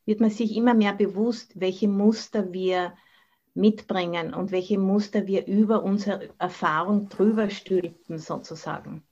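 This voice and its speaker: The audio is dull and band-limited, like a video call. A woman with an Austrian German accent speaks at a medium pitch, teaching in an informal dharma talk. She slips English words in among the German. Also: darkish tone. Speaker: Buddhist nun and meditation teacher. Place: online video call from the monastery.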